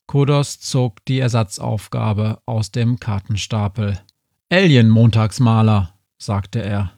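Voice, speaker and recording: A man reading a humorous story aloud, lively, putting voices to the characters. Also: lowish voice, slow pace, creaky, no echo, studio quality. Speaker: narrator.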